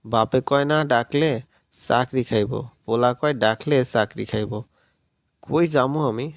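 A man's voice: mid-range voice, slow, no room sound, clean studio sound. A man voicing a timid, fearful middle-aged housemaid who speaks in rustic village speech. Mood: tearful.

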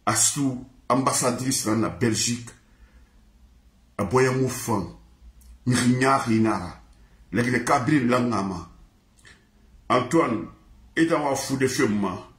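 Male singer, repetitive sing-song chant, unhurried, roomy echo. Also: medium pitch, lively intonation. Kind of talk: chanted song in mixed languages. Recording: echoey room.

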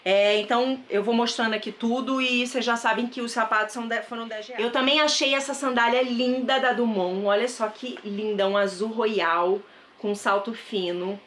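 A woman's voice: on the high side, fairly even intonation, normal speed, fairly bright tone. Woman, 30s, Brazilian Portuguese accent, enthusiastic vlog chatter, close camera mic indoors, faint background noise. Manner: chatty, enthusiastic, addresses viewers as "gente". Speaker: thrift vlogger. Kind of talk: casual haul vlog. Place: bedroom with wardrobe, indoors.

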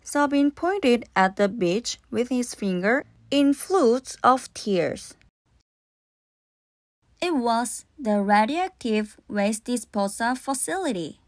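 A woman's voice: fairly high pitch, animated, takes it slowly, no echo, studio quality. A woman reading scripted narration for a children's audiobook. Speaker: storybook narrator.

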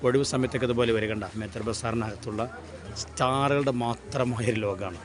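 This man's voice is mid-range and steady, and he speaks briskly while vlogging his walk through a crowded street market. He has a Kerala accent and talks in Malayalam peppered with English, casual, enthusiastic, and repetitive, over busy outdoor crowd noise.

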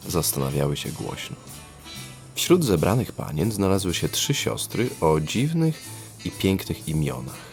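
A man narrating a scripted fairy tale as a storyteller, in a lyrical, expressive manner. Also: low-pitched, unhurried, creaky, soft background music.

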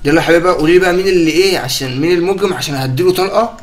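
A young man with an Egyptian accent commentating gameplay, chatty and excitable, laughing often and talking to his viewers. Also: fairly high pitch, rapid-fire. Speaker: gaming streamer.

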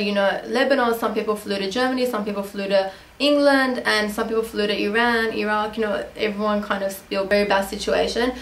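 A woman's voice: medium pitch, roomy sound, poor audio. A young woman from Australia whose first language is Armenian, chatting casually in a beauty vlog Q&A, rambling with lots of ums and restarts. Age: young adult. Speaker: beauty vlogger. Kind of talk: casual Q&A chat. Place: small bedroom indoors.

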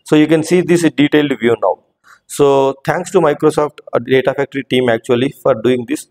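A man hosting a screen-recorded software tutorial, explaining step by step and often checking in with "right?". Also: mid-range voice, a little fast, in a large hall. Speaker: tutorial host. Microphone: voice-over on screen recording.

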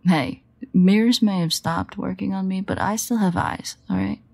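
A woman playing a sardonic, guarded but fond vampire in an intimate audio roleplay, wry and hesitant in manner, with a husky, gravelly voice. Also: mid-range voice, normal speed, a little mellow. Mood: teasing.

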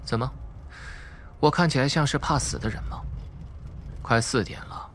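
A man voicing a suave, mocking young businessman in an audiobook, sardonic, smooth in manner and unafraid. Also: medium pitch, moderate pace, fairly bright tone, a little hiss or hum, voice pushed up, lightly acted. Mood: cool, threatening. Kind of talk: audiobook character acting.

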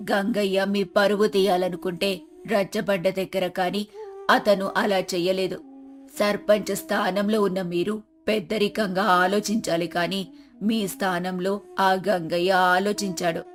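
A woman's voice: mid-range voice, level tone, a little slow, faint music behind, natural voice. Woman as an upright village wife, flute behind. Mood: reproachful. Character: village headman's dutiful, upright scolding wife. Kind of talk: dramatized moral story acting.

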